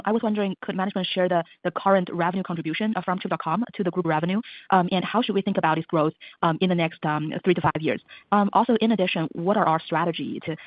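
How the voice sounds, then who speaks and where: A woman's voice: on the low side, no echo. A woman asking a polite, formal analyst question on an earnings call. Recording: dull dry phone conference audio.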